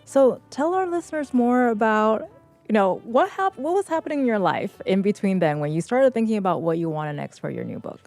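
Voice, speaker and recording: A woman hosting a public radio interview in the studio, measured and attentive as she asks her questions. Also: mid-range voice, expressive, darkish tone, faint music behind. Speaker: radio host.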